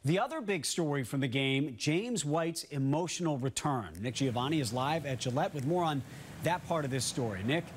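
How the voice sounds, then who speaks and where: A man's voice: a little high, lively intonation, normal speed, a little hiss or hum. A man with an American accent reading scripted television news as a morning anchor.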